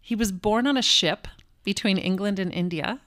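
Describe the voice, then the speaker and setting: A woman's voice: mid-range voice, moderate pace, a bit bright. A woman co-hosting a podcast, chatting playfully and reading out fun facts. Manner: playful, laughs often, reads prepared fun facts. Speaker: podcast co-host. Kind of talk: casual chat.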